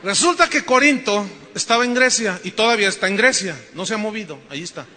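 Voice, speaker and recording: A man with a Mexican accent preaching a sermon as pastor, animated, joking and emphatic. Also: sits high, quick pace, big-room sound, a little hiss or hum. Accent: Mexican Spanish.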